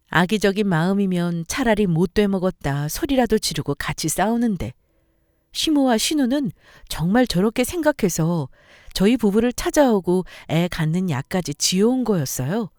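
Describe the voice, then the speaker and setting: A young woman narrating a personal story in a confiding, expressive way. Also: mid-range voice, moderate pace, no echo, studio quality.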